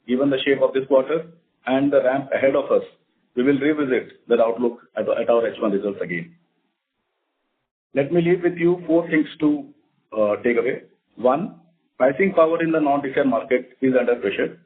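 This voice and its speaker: A man with an Indian accent speaking formally and in a measured way as a company executive on an investor call. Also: mid-range voice. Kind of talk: prepared remarks and formal investor answers. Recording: narrow, phone-like conference line.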